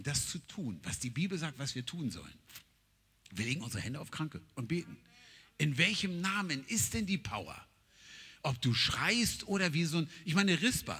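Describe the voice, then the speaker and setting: A man preaching a sermon as an evangelist, telling stories and acting out the dialogue, dropping to a hush one moment and rising loud the next. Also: fairly high pitch, slightly rough. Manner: animated storytelling, acts out dialogue, swings from hushed to loud. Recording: long hall reverb.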